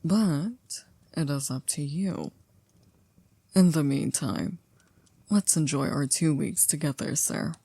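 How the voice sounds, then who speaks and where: Casting: woman as unflappable formal servant of a vampire house, very low mellow voice, dry ASMR delivery. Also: slightly rough, dry recording, exaggerated voice. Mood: wry, inviting. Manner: polite, measured, gently wry. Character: composed, formal, dryly teasing female household servant. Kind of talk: ASMR roleplay acting.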